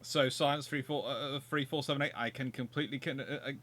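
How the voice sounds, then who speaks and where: A man's voice: medium pitch, steady tone, brisk, fairly bright tone. A man with a Surrey English accent chatting casually and joking while he plays a naval strategy game live. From England. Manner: chatty, jokey, thinking aloud with restarts. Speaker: game streamer, host. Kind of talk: casual live gameplay commentary.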